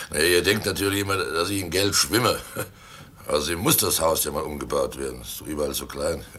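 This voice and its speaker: An actor in a German radio play, playing a guilty, domineering and slyly jovial village innkeeper with a gravelly voice. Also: male voice, a bass voice, a little fast, bright, forceful tone, heavily acted. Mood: defensive.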